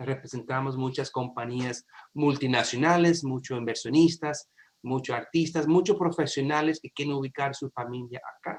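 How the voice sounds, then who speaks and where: Here a man talks with an American accent at a moderate pace. His intonation is fairly even, but his loudness swings widely. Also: fairly high pitch for a man. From New York, Puerto Rican parents. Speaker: lawyer. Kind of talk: webinar interview.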